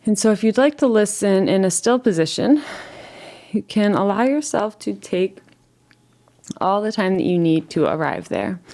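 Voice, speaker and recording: A woman leading a guided relaxation meditation in a gentle, soothing, unhurried way, leaving long pauses between phrases. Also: mid-range voice.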